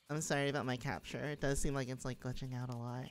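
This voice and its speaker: A VTuber streamer giving casual, excitable commentary while playing a game. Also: medium pitch, slight background noise. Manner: chatty, excitable.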